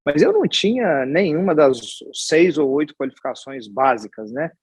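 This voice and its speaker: In a casual interview, a husky-voiced man in his forties from Goiás, Brazil, a hospital executive, tells his life story in Goiás-accented Brazilian Portuguese. Pitched a bit higher than most men, his voice makes big pitch swings at normal speed as he rambles warmly with restarts and tag questions. The sound is close and dry, with no room sound.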